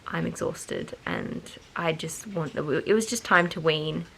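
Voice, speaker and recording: A young woman vlogs casually to camera, tired and congested with hay fever, wandering off track and fixing her words as she goes. Her deep, slow voice has vocal fry and a fairly bright tone, and she's expressive. There's a little hiss or hum.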